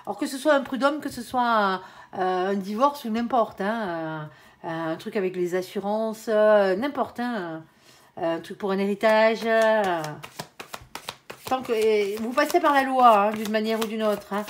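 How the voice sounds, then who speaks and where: A woman's voice: mid-range voice, measured pace. A woman giving a casual tarot reading to her viewers. She talks in a loose, colloquial way, fills her speech with little tag words, and thinks aloud and corrects herself as she turns over cards. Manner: chatty, colloquial, full of "hein" and "euh" fillers, addresses the viewer as "mon ange"; thinks aloud while turning cards, with self-corrections and laughs. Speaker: tarot reader.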